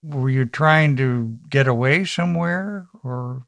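A man's voice: medium pitch, slow pace, vocal fry, fairly bright tone, no room sound, soft background music. A man hosting a radio interview, asking curious, friendly questions. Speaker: radio host.

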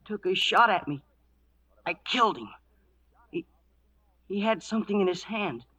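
Wary frontier boy, high bright voice. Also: animated, normal speed, heavily acted. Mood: somber. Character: tough, wary orphaned frontier youth, male. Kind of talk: 1940s-1950s radio western acting.

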